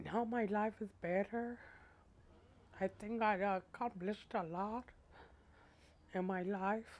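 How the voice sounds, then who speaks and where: A woman with an American accent speaks very slowly at a medium pitch, with long, frequent pauses. Her loudness is very even and her intonation fairly even. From Oklahoma and California. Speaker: homemaker. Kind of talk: personal testimony interview. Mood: reflective, quietly emotional. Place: home room.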